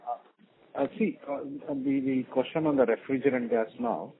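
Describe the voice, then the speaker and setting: A man with an Indian accent asking questions as an analyst on an earnings call, speaking in a halting, hesitant way over a telephone line. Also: medium pitch. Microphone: telephone conference line. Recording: thin narrow phone line.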